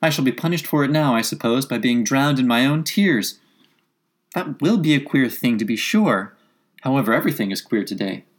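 A woman's voice: extremely low pitch, animated, normal speed. A woman voicing a polite, chatty, curious young girl from a storybook, with an eager, earnest, apologetic manner. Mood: rueful.

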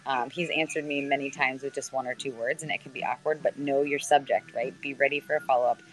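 A woman in her thirties with a naturally deep voice, a sideline reporter chatting on a video call, sprinkling her answers with ums and restarts. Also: steady tone, fast talker, low-quality recording. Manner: conversational, lots of fillers and restarts. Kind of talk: answering student questions on a call.

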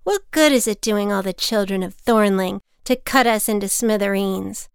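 A woman's voice: mid-range voice, moderate pace, creaky, clear, resonant tone, dry recording, studio quality, natural voice. A woman voicing a defiant young boy who argues back at an adult. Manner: indignant, argumentative.

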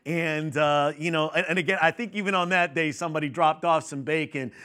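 A man's voice: fairly high pitch, fairly even intonation, brisk. A man in his fifties from New York, a pastor giving a conversational sermon to his congregation with chatty asides and fillers. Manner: conversational and warm-humored with the congregation, many fillers.

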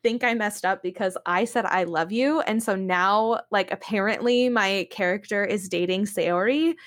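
Young woman chatting casually, rambling and animated. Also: medium pitch, normal speed. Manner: animated, rambling, frequent "like", exasperated storytelling. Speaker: podcast co-host. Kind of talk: casual chat about games and anime.

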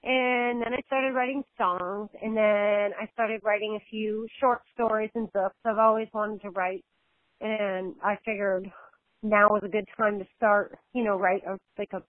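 A woman's voice: medium pitch, steady tone, measured pace, no room sound. A woman guest on a podcast, chatting in a friendly, giggly way with hesitant fillers. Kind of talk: casual interview chat. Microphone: phone line. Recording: tinny phone line.

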